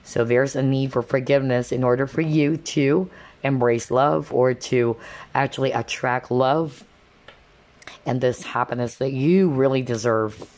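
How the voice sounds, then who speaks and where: Unhurried and fairly even in intonation, a tarot card reader with a darkish, mid-range voice talks to viewers in a relaxed, conversational manner. She keeps checking in by tagging "okay?" onto her lines.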